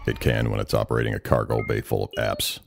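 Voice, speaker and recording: Confident trailer-style ad announcer, played by a man, rock-bottom pitch, over a music bed. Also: level tone, quick pace, gravelly. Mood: cool, punchy. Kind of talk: scripted commercial voice-over.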